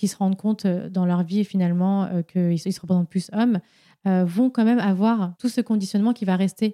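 A woman with a dark, mellow tone speaks at a moderate pace with fairly even intonation, on a very clean recording that is dry and close with no echo and a silent background. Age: 20s. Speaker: social entrepreneur. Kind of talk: interview. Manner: hesitant, many fillers.

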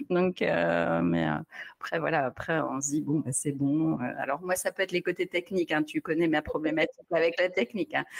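A woman's voice at a moderate pace, very even in loudness, with a dry, close sound and no echo. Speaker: podcast host. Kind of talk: casual interview.

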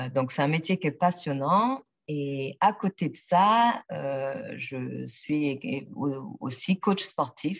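Very slowly, a woman speaks in a very deep, low voice with lively intonation. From Burkina Faso. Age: 40s. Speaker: auditor and mother. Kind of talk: interview.

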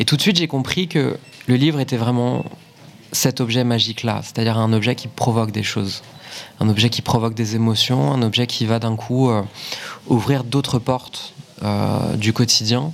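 Moderately paced speech from a man at medium pitch, with ordinary pitch variation and long, frequent pauses. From French Alps, Chambéry. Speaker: children's author. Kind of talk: interview testimony. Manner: halting, many repetitions and fillers.

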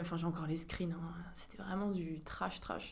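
The speaker talks at a moderate pace. There is audible echo from the room. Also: woman. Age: 20s. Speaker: podcast guest sharing testimony. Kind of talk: testimony. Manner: hesitant with fillers.

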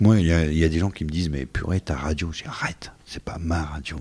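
A man speaks with a very deep, low pitch at a moderate pace, somewhat breathy. The recording is very clean, the background silent. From northern France (Douai area). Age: 50s. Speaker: community radio journalist. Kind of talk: casual interview. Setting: radio studio.

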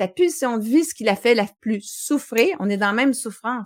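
An unremarkable speaking voice from a woman, fairly high in pitch at a moderate pace, in a very clean recording with a silent background. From Quebec, Joliette region. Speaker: life coach. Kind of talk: casual interview.

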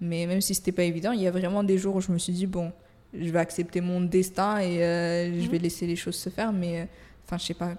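Monotone, flat intonation meets a dark, mellow tone at a fairly quick pace. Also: woman, fairly low pitch for a woman. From Comoros (Anjouan). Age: 20s. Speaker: coworking support officer. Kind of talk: interview testimony. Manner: hesitant, with frequent fillers.

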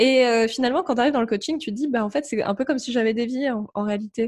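A woman speaks in a normal speaking voice with a fairly high pitch and ordinary pitch variation. The background is quiet. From France, Paris suburbs. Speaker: podcast host and coach. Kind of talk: interview.

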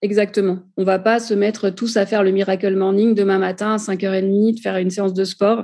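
Against a quiet background, the speech runs at a fairly quick pace in a dark, mellow tone, monotone and flat, with very even loudness. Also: woman, medium pitch for a woman. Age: 40s. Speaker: training manager and self-coaching author. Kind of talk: casual interview.

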